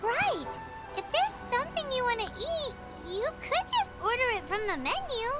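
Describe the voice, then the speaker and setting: Brief: squeaky chirpy fairy sidekick for a game, wildly lively pitch, music bed. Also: female voice, normal speed. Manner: bubbly, exclaiming, refers to herself by name. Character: tiny floating fairy companion, chirpy and curious. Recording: game audio with music behind.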